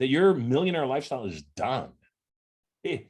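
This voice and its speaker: There is vocal fry in this man's voice. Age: 60s. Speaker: motivational speaker. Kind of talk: sales pitch. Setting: webinar. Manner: animated.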